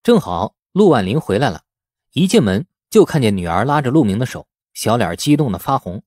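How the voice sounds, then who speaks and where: A man reading a novel aloud as scripted, expressive storytelling narration. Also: mid-range voice, a little fast, no echo, clean studio sound. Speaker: audiobook narrator.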